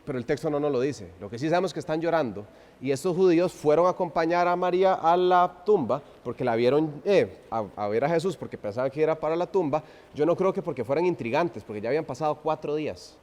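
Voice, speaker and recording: A man preaching an expository sermon, swinging from loud emphasis to hushed, drawn-out phrases and asking the congregation rhetorical questions. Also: a little high. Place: church sanctuary. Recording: long reverb of a church hall.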